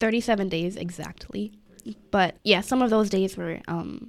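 A woman with an American accent uses an ordinary speaking voice at a moderate pace on a very clean recording with a silent background. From New York, Westchester (Mount Vernon). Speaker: college student. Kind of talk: casual chat.

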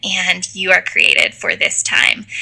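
The speaker is a woman with a fairly slow pace. There is noticeable background noise throughout. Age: 20s. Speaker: podcaster and young mother. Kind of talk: casual interview.

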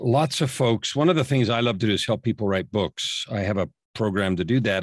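Against a quiet background, a man speaks in an unremarkable speaking voice at medium pitch. The sound is dry and close with no echo, with ordinary pitch variation and a moderate pace. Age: 50s. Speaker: author and speaker. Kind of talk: interview.

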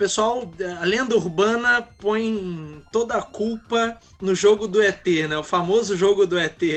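Fairly slow speech from a man, high in pitch, with ordinary pitch variation. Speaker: podcast host, marketing professor. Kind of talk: casual interview chat.

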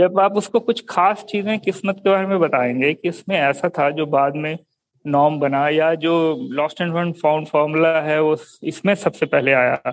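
The recording sounds dry and close, without echo. A man's pitch varies in an ordinary way. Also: fairly high pitch for a man. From Delhi, India. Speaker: film critic. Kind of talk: interview. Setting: remote call with people around.

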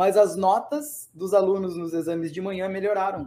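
This man's voice sits at a high pitch with a dark, mellow tone. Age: 40s. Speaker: doctor. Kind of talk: interview. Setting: live stream.

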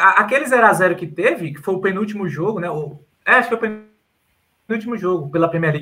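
A man's raised, projected voice, high and bright with a sharp tone, at a fairly quick pace with ordinary pitch variation and big swings in loudness. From Teresina, Piauí, Brazil. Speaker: football fan page representative. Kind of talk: casual football chat.

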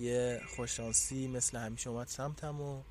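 With audible room echo, a man speaks at a medium pitch in a monotone, flat intonation. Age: 20s. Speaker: podcast host, van-life traveller. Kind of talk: casual monologue.

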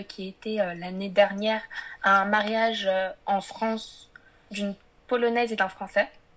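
A woman's fairly high, monotone voice at a moderate pace with flat intonation and big swings in loudness. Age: 20s. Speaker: university student. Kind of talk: casual chat. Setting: video call.

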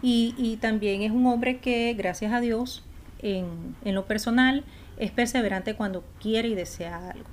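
Fairly slow, fairly even speech in a Venezuelan accent. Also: woman. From Venezuela, La Guaira. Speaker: podcast host, former bank worker. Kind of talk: motivational talk. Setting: live stream.

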